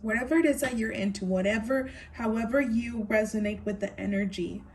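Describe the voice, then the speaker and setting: A tarot reader does a pick-a-card reading, musing aloud, repeating her phrases, and addressing her viewers directly. Her voice is on the high side, brisk, and darkish, picked up by a distant mic with slight background noise.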